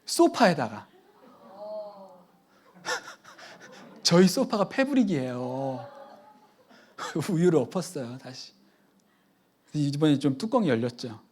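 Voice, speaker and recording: A male pastor preaching in a loose, storytelling way, and his pitch swings widely as he talks. He keeps the congregation close with quick, chatty asides. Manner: animated, chatty anecdotes with audience asides. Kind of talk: conversational sermon storytelling.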